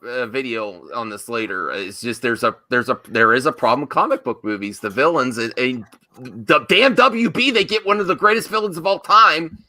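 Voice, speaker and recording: A man's voice: medium pitch, normal speed, bright, forceful tone, dry recording. A man hosting a casual panel discussion, insistently repeating himself to get his point across. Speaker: host of a movie discussion show.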